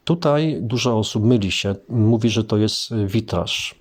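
A man's voice: lowish voice, unhurried, darkish tone, husky. A man teaching French vocabulary in a casual spoken lesson, explaining things unhurriedly with hesitant fillers.

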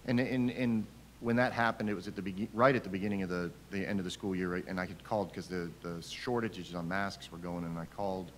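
A middle-aged man speaks as a board member in a public meeting. His voice sits a little low and he talks quickly, with some room noise behind him. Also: fairly even intonation, a bit bright. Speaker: school board vice chair. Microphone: table gooseneck or stand microphone.

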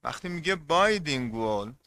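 Pushed, bright, and animated, this fairly high-pitched male voice belongs to an English teacher giving a lesson. He repeats every term and keeps putting questions to the class.

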